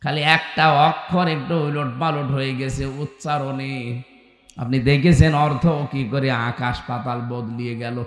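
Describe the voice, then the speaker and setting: Fiery preacher with booming echoey reverb. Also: male voice. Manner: preaching with sudden high emphatic bursts, chanting Arabic verses; asks the crowd questions like a teacher. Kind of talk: sermon.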